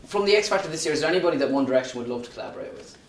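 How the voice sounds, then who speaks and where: A man's voice: fairly high pitch, animated, distant mic. A man hosting a casual interview, upbeat and joking as he puts questions to a band. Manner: upbeat, fast-talking, joking. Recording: roomy sound from off-mic.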